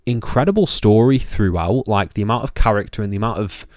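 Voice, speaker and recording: A man's voice: fairly low pitch, a little fast, a little mellow, dry recording. A young man from England with a Stoke-on-Trent accent, hosting a solo wrestling review and talking enthusiastically, doubling words for emphasis. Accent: Stoke-on-Trent English. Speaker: wrestling reviewer, channel host.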